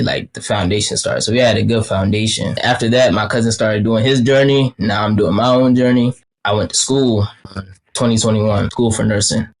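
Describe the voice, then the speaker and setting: A man's voice: on the low side, low-quality recording. A young man from Kenya, a native Swahili speaker, talking about trading in a laid-back, slangy way over a video call. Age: young adult. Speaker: guest trader. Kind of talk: casual interview.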